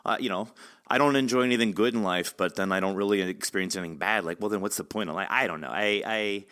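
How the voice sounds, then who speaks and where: A man hosting a casual interview, talking in a rambling, animated way and acting out his reactions. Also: lowish voice, fast. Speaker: podcast host interviewing an author.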